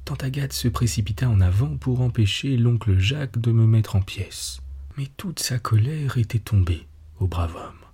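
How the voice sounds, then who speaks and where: A man narrating a storybook tale in a hushed, husky voice, lifting his voice for quoted lines. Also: mid-range voice, lively intonation, moderate pace. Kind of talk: storybook reading. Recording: soft music behind the voice.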